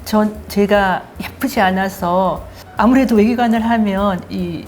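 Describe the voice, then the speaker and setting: An older woman hosting her own show, telling her life story in a lively, self-mocking way. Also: medium pitch, a little slow, soft background music. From Daegu, South Korea. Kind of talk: casual storytelling chat.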